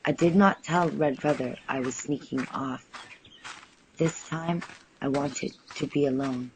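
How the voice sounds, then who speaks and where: A man voicing a curious, gentle young woman who narrates an audio drama in measured, formal phrases. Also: medium pitch, fairly even intonation, noisy background, close to an everyday voice. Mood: quietly resolved. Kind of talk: first-person audio drama storytelling.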